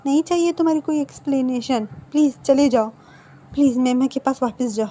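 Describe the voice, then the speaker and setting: A woman's voice: high-pitched, a little fast, mellow. A woman voicing a heartbroken, defiant young man who pleads emotionally, close to tears. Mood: angry.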